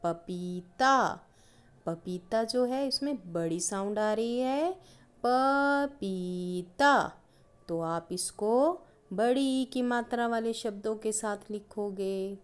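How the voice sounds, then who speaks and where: A woman teacher giving a patient grammar lesson to young schoolchildren, stretching out each example word slowly and calling them children. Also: fairly high pitch, expressive, warm tone, clean tone. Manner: slow, drawn-out stressing of each example word; patient, addresses pupils as "children".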